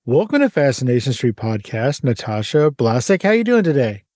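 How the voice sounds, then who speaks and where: A man's voice: medium pitch, very animated, moderate pace, a little mellow, no room sound, studio quality, soft background music. A man hosting a podcast, introducing his guest in an upbeat, chatty way and asking her questions. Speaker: podcast host. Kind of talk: casual interview.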